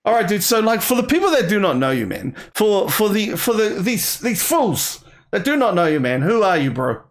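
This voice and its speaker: A man's voice: high voice, very animated, normal speed. A man hosting a casual interview, laid-back and rambling, filling his questions with "like" and "man". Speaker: interview host.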